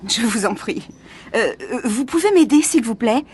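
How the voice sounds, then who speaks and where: A woman from France performing everyday scenes in a scripted dialogue for learners, speaking clearly and expressively. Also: a little high, lively intonation, moderate pace, a little mellow, slight background noise.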